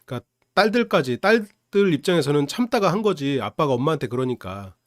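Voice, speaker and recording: A man's voice: fairly high pitch, sing-song, a little fast, no room sound, clean studio sound. A male counselor giving casual, analytical commentary that he explains conversationally and punctuates with rhetorical questions. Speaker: psychology counselor and show reviewer.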